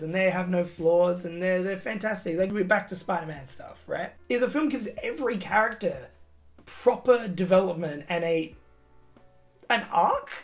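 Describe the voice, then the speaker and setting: A woman giving a casual, emotional film review, swearing often and filling her talk with "like" and "you know". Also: medium pitch.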